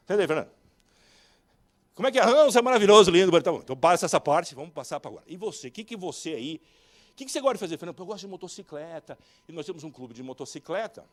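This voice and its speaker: Male, middle-aged, Brazilian accent, animated motivational speaker, fairly high voice. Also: quick pace. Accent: Brazilian Portuguese. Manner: animated, acts out dialogue, addresses audience directly. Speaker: speaker at a business talk. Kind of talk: motivational talk with told stories.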